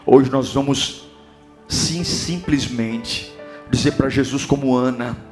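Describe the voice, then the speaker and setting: A Brazilian man preaching a sermon, impassioned, building up to shouting. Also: mid-range voice, slow pace, faint music behind. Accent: Brazilian Portuguese.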